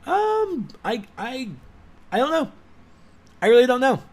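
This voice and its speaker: A man giving a sarcastic, exasperated rant as a gaming commentator, with sudden loud outbursts. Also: extremely high pitch, very animated, a little slow. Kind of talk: ranting video commentary.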